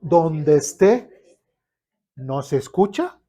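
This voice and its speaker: A man's voice: a little high, very slow, slightly rough. A man preaching a sermon, asking the congregation questions and acting out people's complaints. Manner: animated, asks the congregation questions, acts out complaints.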